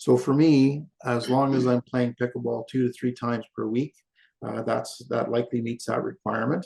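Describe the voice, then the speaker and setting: Moving at a moderate pace, a man with a Canadian prairie accent speaks at a medium pitch in a dark, mellow tone with fairly even intonation. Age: 60s. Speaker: retiree sharing wellness testimonial. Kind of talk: prepared talk on a video call. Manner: halting, many fillers.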